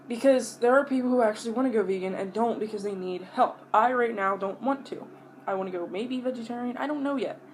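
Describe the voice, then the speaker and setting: A woman talks casually to her audience during a meal, in an average-pitched voice. She rambles and pauses to chew between bites. Her wording is blunt and peppered with swearing, and faint noise sits behind the recording. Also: poor audio. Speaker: mukbang vlogger. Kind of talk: casual rambling chat to viewers while eating.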